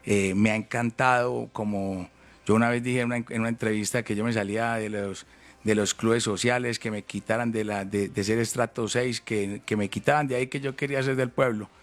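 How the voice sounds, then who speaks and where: A man's voice: lowish voice, steady tone, a little fast. Emphatic Colombian paisa man in his fifties, candidate in a heated interview. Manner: emphatic, repetitive, calls people brother. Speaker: presidential candidate.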